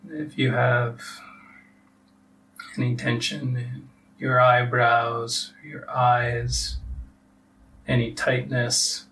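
A man leading a guided relaxation meditation as a teacher, giving soft instructions with long pauses. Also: mid-range voice, little pitch movement. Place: live group meditation session. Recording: distant mic with faint background noise.

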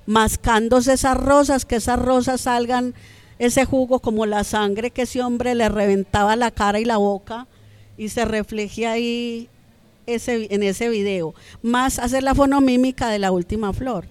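A woman, a podcast guest, telling her own story in an animated, conversational way. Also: a little high, measured pace, no echo. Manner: animated, acts out quoted voices.

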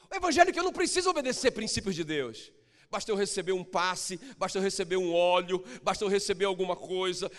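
A man preaching a sermon as pastor, emphatic, swinging between loud outbursts and low drawn-out lines. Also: in a large hall.

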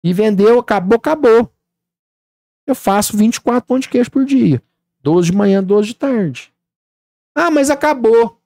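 A man's voice: high-pitched, normal speed, dry recording, studio quality. A man, a podcast guest telling stories and acting out what people said. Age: 30s. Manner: animated storytelling, acts out dialogue. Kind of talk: casual podcast chat.

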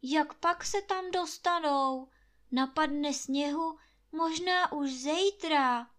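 A woman's voice: sits high, fairly bright tone, pitched above the performer's own voice. A woman voicing an old male gamekeeper who pleads anxiously in a storybook reading. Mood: fearful.

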